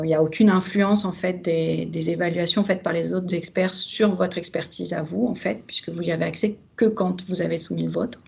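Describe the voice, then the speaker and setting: A woman's voice: on the low side, creaky, a little mellow, slightly rough. A woman, speaking as an expert evaluator in a webinar, explaining steadily with some fillers. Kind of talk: webinar discussion.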